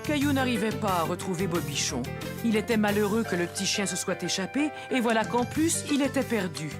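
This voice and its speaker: A woman narrating a children's cartoon as a gentle storyteller, in a storybook delivery. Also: mid-range voice, animated, a little fast, natural voice. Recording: music behind the voice.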